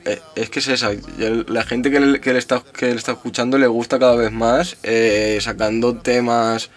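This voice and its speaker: A young man chatting on a podcast in a flat, even tone with little rise and fall. He hesitates, trails off and restarts his sentences. The talk is loose and friendly. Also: mid-range voice, moderate pace. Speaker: podcast co-host. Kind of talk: casual chat.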